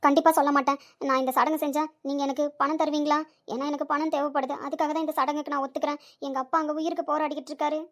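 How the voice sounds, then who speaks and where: A woman plays a desperate young woman in an amateur audio drama. Her voice is high and her pleas come fast and urgent. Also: little pitch movement, fairly bright tone. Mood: pleading. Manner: pleading, urgent.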